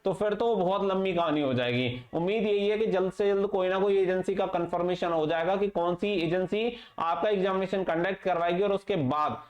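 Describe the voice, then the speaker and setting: A man's voice: high-pitched, a little fast, hardly any pauses. A man giving an informal explainer as a channel host, addressing viewers directly and mixing in English terms. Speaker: exam-update channel host. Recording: echoey room, slightly muffled sound.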